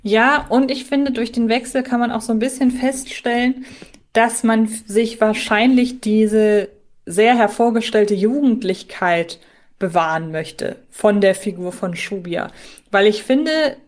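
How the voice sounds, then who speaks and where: Woman, fairly high voice, podcast co-host, conversational fan talk. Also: unhurried.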